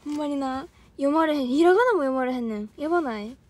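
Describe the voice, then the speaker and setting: High-voiced chatty Kansai young woman. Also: expressive, fast talker, darkish tone, dry recording. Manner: rambling, chatty, laughs often. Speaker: idol trainee livestreamer. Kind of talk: casual livestream chat.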